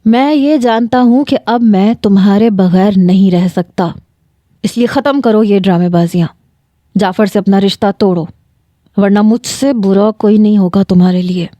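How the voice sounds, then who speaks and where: A woman's voice: mid-range voice, mellow, dry recording, lightly acted. A woman voicing an obsessive, volatile young man in a story read aloud, pleading in agitated outbursts. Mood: intense.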